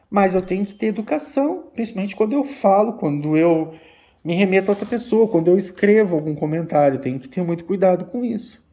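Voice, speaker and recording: A man, an umbanda teacher giving a slow, repetitive religious talk to his viewers. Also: high voice, vocal fry, mellow. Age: 50s. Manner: slow, repetitive, addressing listeners as "gente". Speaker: umbanda spiritual teacher and channel host.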